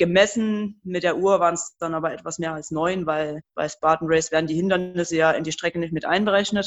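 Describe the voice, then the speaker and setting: A woman talks in a fairly low, flat monotone at a fairly quick pace with hardly any pauses. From Germany, Rhineland-Palatinate. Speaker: obstacle course racer. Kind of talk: casual interview.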